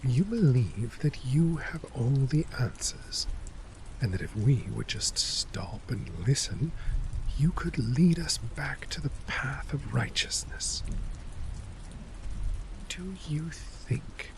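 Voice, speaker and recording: Slow, gravelly fantasy commander, acted by a man. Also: medium pitch, lively intonation, a little mellow, slight background noise, poor audio. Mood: scornful, intense. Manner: measured, theatrical, condescending, dramatic pauses. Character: jaded, shrewd male city guard commander in fantasy world. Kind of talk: ASMR fantasy role play.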